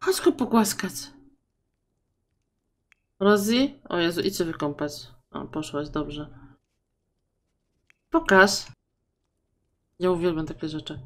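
Young woman, let's-play commentary, slow pace, chatty, talks to her characters and viewers. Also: expressive, fairly bright tone. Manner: chatty, talks to her sims and viewers, swings up high in surprise. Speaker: gaming YouTuber.

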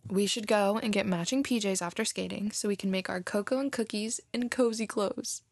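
A woman playing an affectionate, giddy girlfriend in an intimate audio roleplay, speaking softly and tenderly. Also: medium pitch, fairly quick, no room sound, clean studio sound, lightly acted. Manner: soft, tender, breathy, giggly. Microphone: close microphone, dry room.

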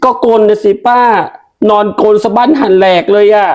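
A woman's voice: medium pitch, steady tone, normal speed, a little mellow, lightly acted. A woman voicing a fed-up young village wife who complains in a whiny, chatty way with sweet-toned endings, in a comedy sketch. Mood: complaining.

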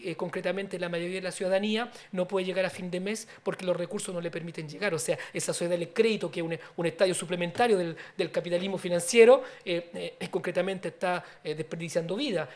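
A middle-aged man, born in Chile and raised in France, speaking as a politician guest in a studio interview, earnest and explanatory with many fillers and restarts, into a boom-mounted studio mic. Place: small TV-radio studio. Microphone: studio mic on boom arm.

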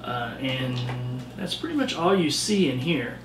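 A man's voice: on the high side, big pitch swings, measured pace, noisy background. Male game master, loose scene-setting with fillers; mic sits well back from him. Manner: loose descriptive narration with many fillers. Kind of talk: narrating a tabletop game. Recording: roomy distant recording.

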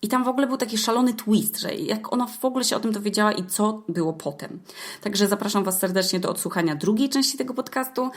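A woman's voice: mid-range voice, quick pace. A young woman hosting a podcast, telling a story casually in slangy, hesitant speech with swearing and many filler sounds. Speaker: podcast host.

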